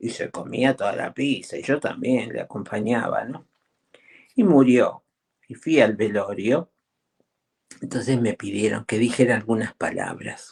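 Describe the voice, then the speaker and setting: Pausing long and often, a man with a Rioplatense accent speaks at a fairly slow pace. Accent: Argentine Rioplatense Spanish. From Argentina, Zárate, Buenos Aires province. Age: 70s. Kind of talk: interview, casual chat.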